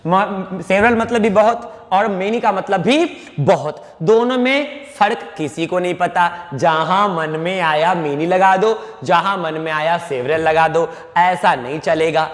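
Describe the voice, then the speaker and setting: Casting note male tutor, high voice, unhurried lecture delivery, long reverb on the track. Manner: drawn-out dictation of example sentences, coaxing. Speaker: English teacher. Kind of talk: classroom-style grammar lesson.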